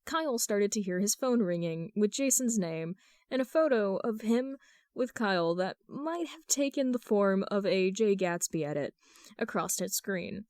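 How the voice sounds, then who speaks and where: A woman's voice: mid-range voice, lively intonation, measured pace, darkish tone, dry recording. Woman reading fan fiction, dry close sound. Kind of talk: scripted narration, amateur audiobook reading of texts and story.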